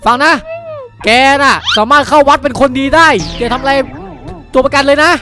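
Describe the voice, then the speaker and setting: A man voicing a clumsy, excitable young policeman who shouts a lot and turns meekly apologetic, in a dubbed Minecraft cartoon with music behind. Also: extremely high pitch, moderate pace. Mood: frantic. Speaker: channel host.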